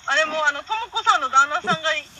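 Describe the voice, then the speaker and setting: A woman chatting casually as a podcast guest, drifting through trailing explanations. Her voice is high, and a loud crowd sounds behind her. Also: lively intonation, fast.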